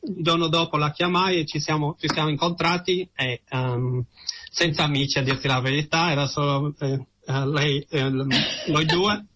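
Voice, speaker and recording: An Italian man telling personal stories in an interview, hesitant and halting, often repeating words. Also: on the high side, fairly even intonation, sharp tone, slight background noise. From Italy. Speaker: interview guest. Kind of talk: personal storytelling in conversation.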